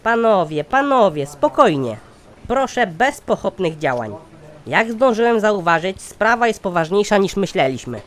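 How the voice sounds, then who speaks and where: A man's voice: high voice, very animated, normal speed, a bit bright. A man voicing a pompous, sardonic company chairman in a satirical cartoon, speaking formally. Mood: exasperated, lecturing. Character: pompous, exasperated male company chairman, scheming boss.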